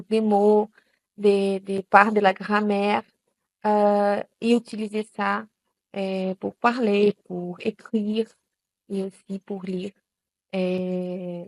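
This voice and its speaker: A Brazilian woman, a native Portuguese speaker, gives a hesitant testimonial in French, with many pauses and fillers. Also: medium pitch, darkish tone, no room sound. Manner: hesitant, many fillers and restarts in a second language. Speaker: student giving a testimonial. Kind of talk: spontaneous testimonial.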